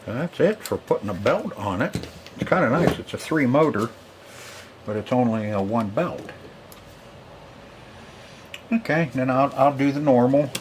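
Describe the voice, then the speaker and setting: A man's voice: medium pitch, animated, a little slow, long pauses, background noise. A man narrating a hands-on repair casually, muttering to himself in a folksy way as he works. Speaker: repair video host.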